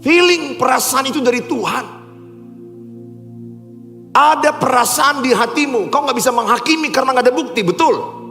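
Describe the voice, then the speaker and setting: A male pastor preaching a sermon, swinging between loud emphatic lines and low quiet ones. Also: normal speed, gravelly, long pauses, faint music behind. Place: large church hall. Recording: echoey church hall recording.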